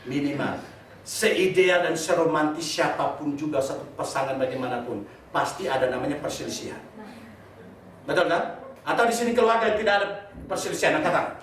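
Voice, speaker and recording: A man's voice: a little high, lively intonation, brisk, a bit bright, a little hiss or hum. A man preaching a sermon as pastor, joking and putting questions to the congregation. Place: church hall. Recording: echoey hall, mic at a distance.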